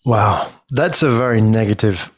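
A man's voice: on the low side, measured pace, a little hiss or hum. A man hosting an interview, asking questions in an engaged, chatty way and often ending with tag questions. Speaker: podcast host.

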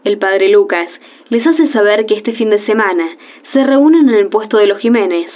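A woman's voice: medium pitch, animated, natural voice. Tinny radio announcer acted by a woman. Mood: formal. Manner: formal, measured. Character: rural radio announcer reading notices and Gospel. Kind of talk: scripted announcement and narration. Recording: tinny radio broadcast, music behind.

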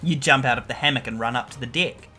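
A woman's voice: rumbling low, fast, pushed and bright, slightly rough, faint music behind. A woman hosting a comedy podcast, reading a children's book aloud and bantering in a playful, self-deprecating way.

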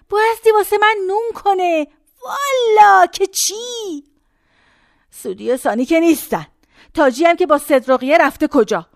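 An actress plays a frail, very old woman in a care home who is rambling and in pain, her high, thin voice wandering in a folksy way from complaints to distant memories. The performance is lightly acted, with close, dry, echo-free sound like a radio play.

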